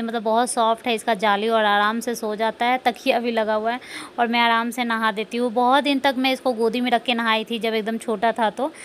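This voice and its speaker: A woman's voice: on the high side, fairly bright tone, a little hiss or hum. A young woman chatting casually at home about her newborn, talking loosely with many fillers. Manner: sing-song baby talk to her infant. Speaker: vlogger and new mother. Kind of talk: casual home vlog narration.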